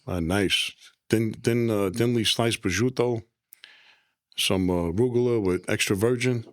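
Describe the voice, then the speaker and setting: A man hosting a podcast, chatting and joking in a relaxed way over lunch. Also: lowish voice, a little slow, dry recording, clean studio sound. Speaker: podcast host. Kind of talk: casual chat over food.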